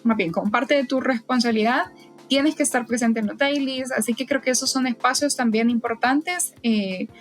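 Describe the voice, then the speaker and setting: A woman whose first language is Spanish appears as a guest on a podcast in a casual interview; she volunteers at events. She talks at a moderate pace in a fairly high voice, hesitantly, with frequent fillers and restarts, and faint music plays behind her.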